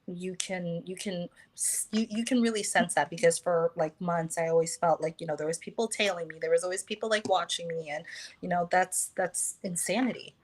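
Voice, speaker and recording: An American woman talking as a guest in a casual conversation, pausing often with fillers and restarts. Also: lowish voice, low-quality recording. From United States. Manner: hesitant, many fillers and restarts.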